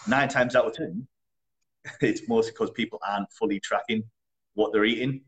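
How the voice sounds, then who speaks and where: A young man, a personal trainer, answering in a relaxed, chatty way with blunt wording and frequent laughs. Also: lowish voice, moderate pace. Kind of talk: casual interview.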